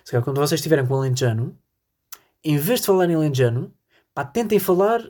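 Podcast host: husky, rambling, jokey solo bit aimed at the listeners. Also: mid-range voice, animated, fast talker, warm tone. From northern Portugal. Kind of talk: solo comedic podcast monologue.

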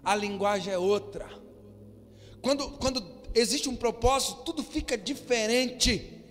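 A man preaching a sermon as a pastor to his congregation, sometimes rising to a shout. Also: extremely high pitch, unhurried. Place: church hall. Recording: long hall reverb, faint music.

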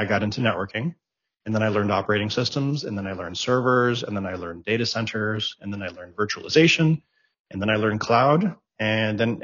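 A fairly low-pitched but a bit bright voice comes through a muffled recording: a middle-aged man, a tech professional, guesting in a casual interview. Born in Japan and raised abroad in Germany, he rambles as he tells stories, restarting and repeating words.

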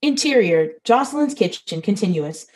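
A woman reads out stage directions for a comedy script in a dry, matter-of-fact way. Her tone is mellow and dark, at a middle pitch. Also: lively intonation, moderate pace, poor audio. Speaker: narrator reading stage directions.

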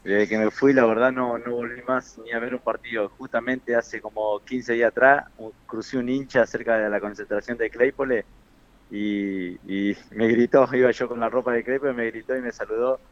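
Guest: male coach, mid pitch, halting, muffled lo-fi line. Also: fairly even intonation. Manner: halting, with repeated words and fillers. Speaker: football coach and former player. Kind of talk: radio interview.

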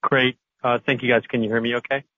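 A man's voice: medium pitch, little pitch movement, quick pace, no room sound. A man asking questions on a conference call over a bad phone connection, hesitant and full of fillers. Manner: hesitant, many fillers and restarts. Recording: tinny dry phone line.

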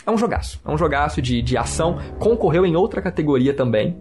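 Enthusiastic Brazilian man, lightly raised pitch. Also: lively intonation, fast talker, a little mellow. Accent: Brazilian Portuguese. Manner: enthusiastic, slangy. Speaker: podcast host. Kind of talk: casual game review chat. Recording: music behind the voice.

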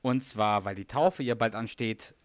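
A man co-hosting a podcast, casually retelling a sitcom episode in detail. He has lost some of his voice and sounds a little hoarse. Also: on the low side, a little slow, no echo. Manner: retells scenes in detail, with many fillers and restarts. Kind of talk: casual chat.

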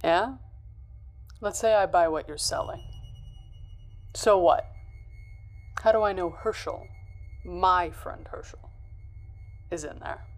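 A woman's voice: lowish voice, slow, pauses often, faint music behind. A woman playing a tough, sardonic, wisecracking crime boss in a noir audio drama, with a clipped, threatening manner. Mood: wary. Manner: sardonic, hard-boiled, clipped.

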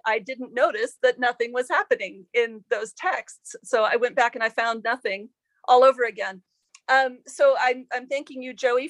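A woman's voice: a little high, fairly bright tone, no room sound. A woman historian answering interview questions thoughtfully, with frequent ums and restarts, in a self-deprecating way. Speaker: author and historian.

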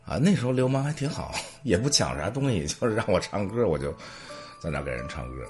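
Low-voiced man telling stories. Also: a little fast, music in the background. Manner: humorous, anecdotal, lively. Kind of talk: storytelling monologue.

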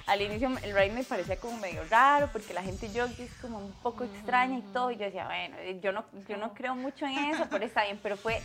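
A woman's voice: medium pitch, fast, hardly any pauses, over music. A young Costa Rican woman in casual chat as a podcast co-host, telling a personal story and acting out her own past lines.

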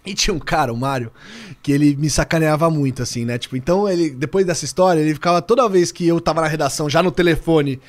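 A Brazilian man in his thirties, a sports journalist guest on a podcast, telling stories in a lively, casual way and swearing freely. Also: on the high side, quick pace. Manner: lively storyteller, swears casually, acts out dialogue.

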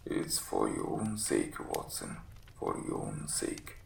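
A dying, imperious detective in an audiobook drama. The voice drops very low into a breathy, feeble croak, broken into clipped commands. It sounds roomy and set back from the microphone. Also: male voice, huge pitch swings, slow, distant mic, slight background noise, exaggerated voice. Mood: feverish, rasping. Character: gravely ill, masterful male detective, feverish and imperious.

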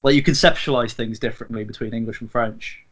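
Man, podcast host, curious, relaxed questions. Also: mid-range voice, quick pace. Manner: curious, gently probing questions. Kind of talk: casual interview chat.

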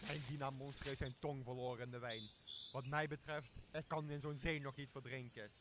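A man's voice: medium pitch, steady tone, fairly quick, background noise, close to an everyday voice. A young man, a student actor in a radio play, playing a drunken, pompous, commanding lord of an island. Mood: merry, commanding. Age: young adult. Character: drunken, bossy, self-crowned male lord of an island. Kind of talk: amateur radio drama acting.

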